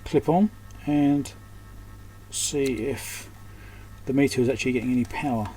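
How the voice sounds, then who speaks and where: A man's voice: mid-range voice, moderate pace, background noise. A man giving unscripted hands-on repair commentary, thinking aloud in short, muttered fragments as a technician at his bench. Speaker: electronics repair technician and host. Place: indoors at an electronics repair workbench.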